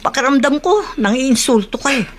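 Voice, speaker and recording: A woman's voice: high-pitched, expressive, moderate pace. A woman playing a poor young wife in a radio drama, firm and indignant as she defends herself. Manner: firm and indignant, hushed worried murmurs when alone.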